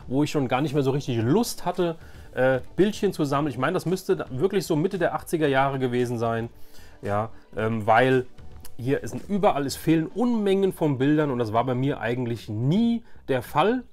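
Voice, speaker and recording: A man's voice: medium pitch, a little mellow. A middle-aged man chats in a casual, rambling way, like showing off old keepsakes. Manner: rambling, conversational. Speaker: nostalgia video host. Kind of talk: casual nostalgic show-and-tell.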